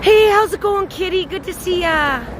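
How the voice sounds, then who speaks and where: A slightly hoarse woman chatting with her viewers as she walks a city bridge at night, greeting them by name. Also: extremely high pitch, normal speed. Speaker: livestream host. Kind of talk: live walking vlog chatting with viewers. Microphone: handheld camera on a gimbal. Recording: outdoor street recording with clear traffic noise. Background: traffic noise.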